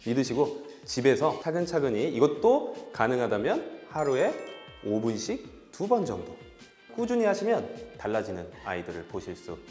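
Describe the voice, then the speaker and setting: A male dog behavior veterinarian and trainer giving an upbeat training demonstration, bursting into cheerful praise and quick commands. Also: medium pitch, sing-song, darkish tone. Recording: echoey hall with faint music.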